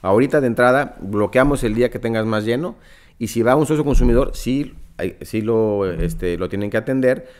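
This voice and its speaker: Speaking at medium pitch and normal speed with a slightly mellow quality, a northern Mexican-accented founder in his thirties walks an interviewer through his startup. He leans on examples and frequent fillers, recorded on a desk-stand studio mic in an office meeting room.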